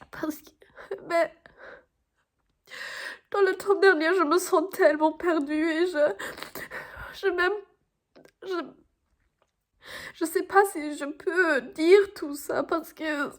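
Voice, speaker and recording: With long, frequent pauses at a very slow pace, a woman with an extremely high pitch keeps fairly even intonation but shows big swings in loudness. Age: young. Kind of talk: personal video diary talk to camera. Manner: hesitant, emotional.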